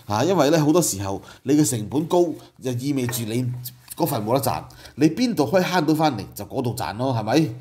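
Middle-aged Hong Kong Cantonese man, host doing casual commentary, mellow tone, conversational with rhetorical asides. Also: medium pitch, animated, brisk. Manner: conversational, explains business figures with asides and rhetorical questions.

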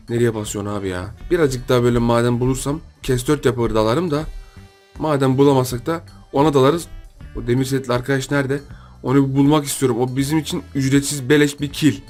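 A young man giving casual commentary on his own gameplay, talking to himself and his viewers and repeating words in quick bursts when excited. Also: medium pitch. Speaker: gaming YouTuber.

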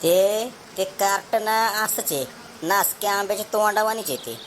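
A woman's voice: medium pitch, moderate pace, slight background noise, close to an everyday voice. A woman playing a fed-up, scornful village parent in a comedy cartoon, complaining. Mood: grumbling. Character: grumbling, fed-up village parent on family picnic. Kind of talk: Marathi comedy cartoon dialogue.

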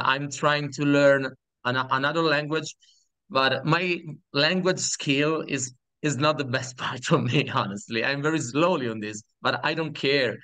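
A man's voice: mid-range voice, sharp tone, clean tone, no room sound. A man in his thirties with a strong Italian accent, a guest speaking frankly and emphatically on a video call. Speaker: guest musician. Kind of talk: casual video-call interview. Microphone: laptop webcam on video call.

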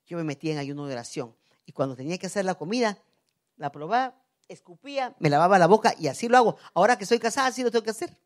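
Una predicadora de mediana edad con acento guatemalteco, que predica con fervor en una iglesia y pasa de apartes suaves a exclamaciones fuertes. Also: female voice, fairly low pitch, animated, fast. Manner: fervent, swings from soft asides to loud cries. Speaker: preacher. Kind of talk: sermon. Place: church.

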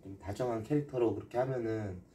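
A man's voice: on the low side, fast talker, dark tone, distant mic. A man streaming casual chat, pleading and asking the same questions again and again. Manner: pleading, repeats questions over and over.

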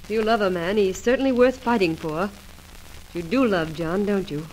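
A woman's voice: medium pitch, normal speed, darkish tone, natural voice. Woman acting a frank, loyal radio-soap best friend. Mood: encouraging. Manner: plain-spoken, slangy, encouraging. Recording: noisy old radio recording.

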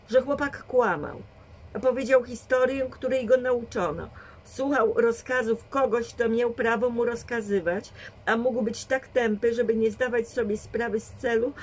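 A woman's voice: a little high, slightly rough, pitched above the performer's own voice, rough recording. A woman voicing a shrewd, dry and commanding old grandmother who reasons firmly in a read storybook. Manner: measured, firm reasoning.

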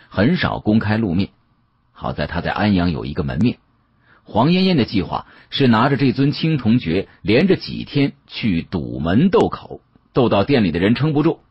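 Male audiobook narrator, very raspy, lively intonation, dramatic colloquial storytelling, slightly muffled recording. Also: sits low, no echo. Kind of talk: dramatic first-person novel narration.

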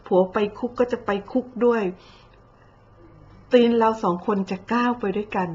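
Woman ranting sarcastic commentary, kinda high voice, mocking and crude, muffled lo-fi audio. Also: unhurried, a little mellow. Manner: mocking, blunt, coarse slang. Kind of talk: sarcastic social media commentary.

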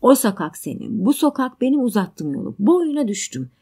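A woman's voice: fairly high pitch, very animated, normal speed, mellow, husky, heavily acted. A woman voicing a stranded young mother who pours out a bitter, emphatic account of a night in the cold. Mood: bitter, agitated.

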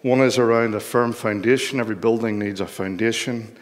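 A man's voice: fairly low pitch, fairly even intonation, a little fast. Older male preacher, Northern Irish accent, explanatory sermon delivery, recorded in a hall with long reverb. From Northern Ireland. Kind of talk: sermon with Bible reading. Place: church hall, speaking from lectern on stage.

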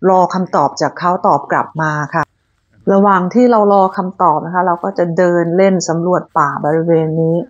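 A woman's voice: lowish voice, normal speed, muffled recording. A middle-aged woman from Thailand narrating a casual vlog in a polite, chatty manner, with English words mixed in. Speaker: vlogger. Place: woods in Virginia.

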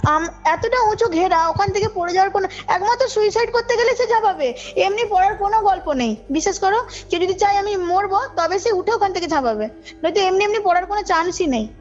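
Loud background music drowns out much of this muffled call. On the line, a woman with a very high voice moves at a quick pace through her personal story, informal and emphatic, often asking whether her listener is with her.

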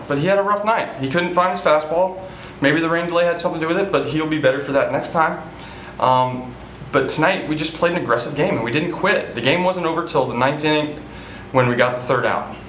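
A man's voice: fairly high pitch, fairly bright tone, echoey room, low-quality recording. Man, 30s, team manager, post-game interview, earnest with fillers, faint hum behind. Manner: earnest, repeats himself, frequent fillers. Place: indoor press room before a sponsor backdrop.

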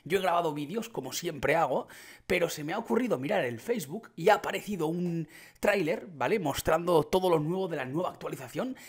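A young man with an accent from Spain, reacting to a game update and talking it through for his viewers, keeping his voice down late at night until excitement breaks through. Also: on the high side, fairly quick, breathy edge. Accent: Spain Spanish. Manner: hushed and restrained, bursting into excited exclamations. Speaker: gaming youtuber.

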